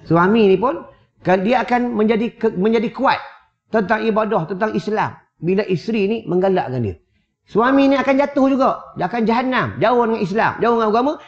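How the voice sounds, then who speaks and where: A man with a Malaysian Malay accent preaching in a mosque prayer hall, animated and teasing, acting out little scenes with wives' voices. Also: sits high, fairly quick, highs cut off. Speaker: religious preacher. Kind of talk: lively sermon.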